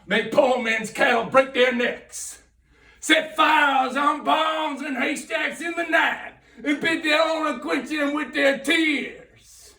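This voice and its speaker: Remorseless villain, gloating, hushed then roaring, drawn-out words, roomy distant recording. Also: male voice, extremely high pitch, steady tone, creaky, heavily acted. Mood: gloating, mounting frenzy. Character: gloating, remorseless Shakespearean villain, relishing evil deeds. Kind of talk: theatrical Shakespeare monologue. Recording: roomy sound, far from microphone.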